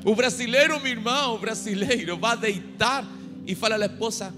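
A middle-aged Chilean man preaches on a large church stage with a handheld mic, his Spanish accent showing as he jokes and rallies the crowd. His voice sits a little high. A long hall reverb trails his words, and clear music plays underneath. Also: moderate pace. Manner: humorous, mixes Spanish into Portuguese, rouses the crowd to shout. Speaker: guest pastor. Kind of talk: sermon.

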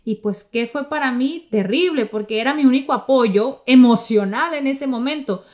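A woman's voice: sits high, moderate pace. A woman from Mexico with a Mexican accent, hosting a podcast and telling stories in a chatty way, talking straight to her listeners. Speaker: podcast host. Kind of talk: casual podcast monologue.

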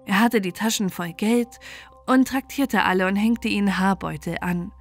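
Woman storyteller over soft background music. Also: medium pitch, normal speed. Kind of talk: scripted bedtime fairy-tale narration.

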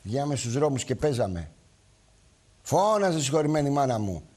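A man's voice: medium pitch, big pitch swings, darkish tone, husky. A man hosting a live television talk show, speaking emphatically to viewers and repeating his points.

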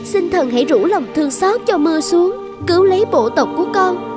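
A woman playing a devout, self-sacrificing young tribal maiden in an animated folktale, earnest and reverent. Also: extremely high pitch, brisk, music in the background. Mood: reverent pleading. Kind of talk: dubbed animated folktale acting.

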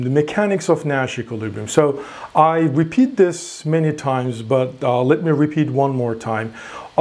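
A man's voice: a little high, a little mellow. A man in his forties giving a whiteboard lecture, explaining step by step, restarting words and checking in with listeners. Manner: explanatory, repeats words while thinking, frequent "all right?" checks. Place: classroom in front of a whiteboard.

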